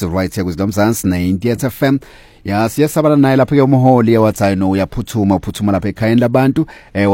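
A South African radio presenter with a low, mellow voice reads the station ident and time, then welcomes his guest. He pauses often with "eh", and the sound is close and dry. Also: no echo. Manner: quick station idents and listener welcomes, hesitating with "eh".

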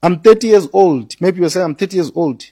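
A man with a high, husky voice teaches earnestly as a studio guest on the radio. He repeats words as he builds each point and mixes in Zulu phrases, and the sound is close and dry. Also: fairly quick, warm tone, no echo.

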